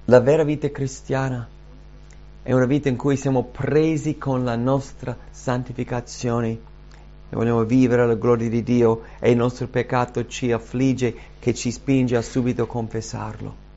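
A man preaching a sermon in an earnest, dynamic way, rising for emphasis and dropping low and soft. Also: flat delivery, unhurried. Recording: dull lo-fi recording.

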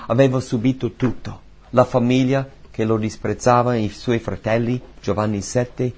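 A man preaching a sermon, emphatic and repeating key phrases, swinging between soft lines and loud ones. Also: mid-range voice, little pitch movement, moderate pace.

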